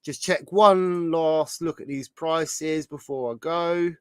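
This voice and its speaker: A man with a sore, hoarse throat, hosting a casual livestream and rambling chattily as he browses. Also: a little high, fairly even intonation, slow, fairly bright tone, no room sound, studio quality. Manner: chatty, rambling, thinks aloud while browsing. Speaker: livestream host.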